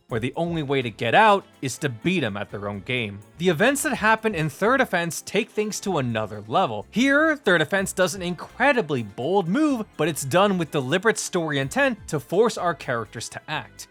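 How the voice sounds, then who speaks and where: A man narrating a scripted review of visual novels with an expressive, rising and falling delivery. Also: on the high side. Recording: voice-over with faint background music.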